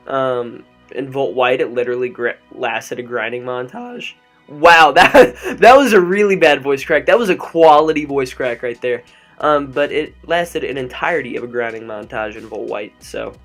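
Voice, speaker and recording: With a medium-pitched, slightly bright voice, a young guy narrates his let's play into a desk mic, joking around and filling gaps with lots of ums while soft background music plays.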